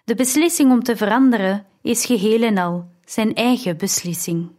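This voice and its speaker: A woman reading the lines of a calm, devout young man in an audiobook, gentle and firm in manner. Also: a little high, normal speed, lightly acted. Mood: earnest.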